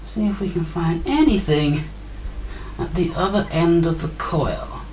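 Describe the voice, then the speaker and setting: Speaking a little slowly in a voice on the low side, a woman tinkers with radios at her indoor workbench, dryly commenting and apologizing as she goes. A desk microphone beside an amplifier records her amid a noisy background.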